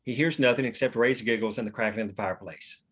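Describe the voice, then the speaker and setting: A man's voice: medium pitch, quick pace, fairly bright tone, slightly rough. A man reading stage directions as scripted narration at a table read.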